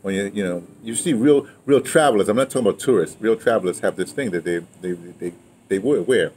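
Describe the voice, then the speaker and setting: A man's voice: lowish voice, fairly quick, a little mellow. Man in his seventies, noisy outdoor recording. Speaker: interviewee, audio drama veteran. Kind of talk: casual reminiscing chat. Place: outdoors, patio or yard of a building. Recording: clearly noisy outdoor ambience.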